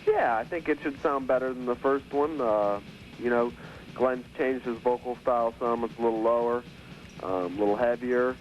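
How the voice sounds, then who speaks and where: A record producer calling in by phone, speaking casually and hesitantly with many fillers, heard from a worn tape copy. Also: male voice, medium pitch, moderate pace, faint music behind. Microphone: telephone. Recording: dull phone line on worn tape with hiss.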